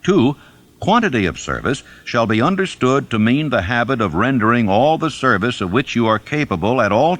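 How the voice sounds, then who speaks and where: A man reading a self-help book as a scripted narration, deliberate and emphatic in his delivery. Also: medium pitch, a bit bright. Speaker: audiobook narrator.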